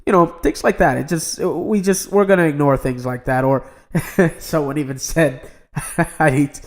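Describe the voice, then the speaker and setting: A young man from New York City co-hosting a casual gaming podcast, chatting with lots of filler words and restarts. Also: on the high side. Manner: fast, loose talk with filler and restarts. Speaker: podcast co-host. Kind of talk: casual chat.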